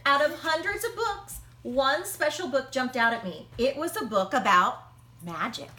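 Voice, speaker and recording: Lively, bright-voiced woman reading to children. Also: high voice, reverberant. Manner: expressive, dramatic pauses and emphasis. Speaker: librarian reading a picture book aloud. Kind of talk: animated children's read-aloud.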